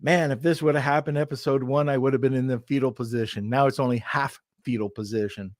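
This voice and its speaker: A man's voice: mid-range voice, fairly even intonation, fast talker, dry recording, clean studio sound. A man hosting a live podcast over a video call, chatting casually, rambling and laughing at himself. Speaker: podcast host. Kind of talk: casual live-stream chat.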